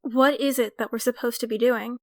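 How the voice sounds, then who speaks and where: A woman's voice: a little high, steady tone, brisk, no room sound, clean studio sound. A woman playing a baffled, questioning sidekick in an audio drama.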